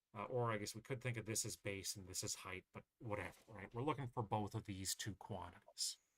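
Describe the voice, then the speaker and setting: A man talks at a moderate pace. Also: dry, close sound with no echo. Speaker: economics professor. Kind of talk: lecture.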